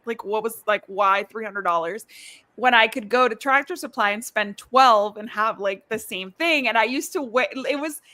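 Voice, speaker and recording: A woman's voice: a little high, moderate pace, sharp tone. A middle-aged woman from Ecuador, chatting casually over a video call on a live stream and filling her talk with asides. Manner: chatty, many fillers and asides. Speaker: podcast host.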